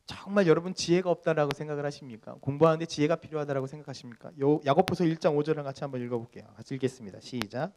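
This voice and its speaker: A male pastor preaching a youth sermon in an animated way, questioning the congregation and leading group Bible readings. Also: a little high, very fast, few pauses.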